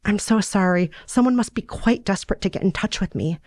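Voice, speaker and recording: A woman's voice: mid-range voice, a little fast, darkish tone, no room sound, clean studio sound, voice pushed up, lightly acted. A woman voicing an anxious, lovestruck sixteen-year-old Amish girl in a story, earnest and pleading. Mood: apologetic.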